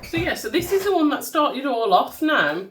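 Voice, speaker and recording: Woman, Black Country accent, fairly high pitch, congested nasal tone, head cold, casual self-deprecating chat, showing her products. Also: big pitch swings, moderate pace. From Black Country, England. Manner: informal, self-deprecating, given to singing bits. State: bunged up with a cold. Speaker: small-business content creator showing her products. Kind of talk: casual chatty product walkthrough.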